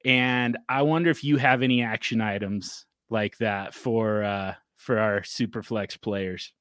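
A man hosting a casual podcast chat, playful and quick to laugh. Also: fairly low pitch, steady tone, a bit bright, no room sound, studio quality. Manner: playful, sing-song show intro, laughs often. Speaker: podcast host.

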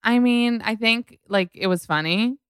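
A woman's voice: on the high side, a little slow, fairly bright tone, a little hiss or hum. A woman hosting a podcast, chatting in a gushing, rambling way full of "like". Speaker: podcast host. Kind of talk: casual podcast chat.

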